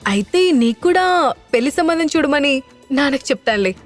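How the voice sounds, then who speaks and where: A woman's voice: high-pitched, expressive, fairly quick, faint music behind. Mocking, teasing young sister, read by a woman narrator in an audio story.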